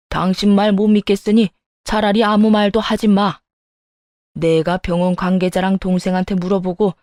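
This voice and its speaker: A woman's voice: mid-range voice, mellow, no room sound, clean studio sound, lightly acted. A woman voicing an angry older father-in-law who scolds harshly in a narrated family story. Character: furious older father-in-law, stern and blunt. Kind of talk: storytelling dialogue.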